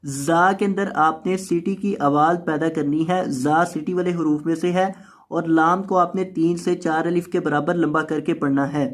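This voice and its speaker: A man with an Urdu-speaking South Asian accent teaches Quran recitation with tajweed, spelling out letters and vowels before chanting the verses in long, drawn-out tones between quick explanations. His voice sits on the high side with a steady tone.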